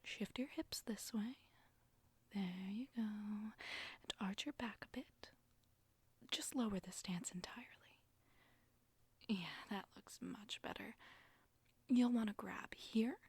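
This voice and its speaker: A woman voicing a flirty, bossy witch who teaches broom riding, in a soft breathy ASMR roleplay whisper. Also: medium pitch, slow, long pauses, full character voice. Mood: coaching. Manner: teasing, bossy, instructive. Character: flirty, sassy witch broom-riding instructor, condescending but coaxing.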